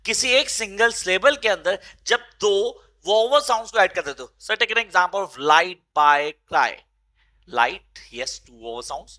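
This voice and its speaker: Bright, emphatic teacher. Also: male voice, high voice, lively intonation. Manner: emphatic, repeats key points, switches languages fast. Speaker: English teacher. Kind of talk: explainer lesson mixing Hindi and English.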